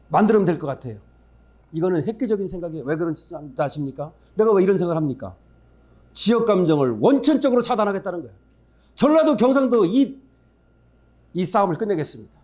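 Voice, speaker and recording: High, lively-voiced man giving a fiery speech. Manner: emphatic, rhetorical questions to the audience; blunt, scornful asides. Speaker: forum speaker. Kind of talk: political speech.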